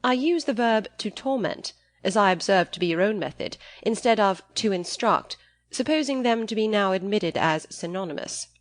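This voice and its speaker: A woman voicing a witty young gentleman in an audiobook, playfully mock-serious and pedantic with formal phrasing. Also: medium pitch, expressive, normal speed, natural voice. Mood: dryly formal.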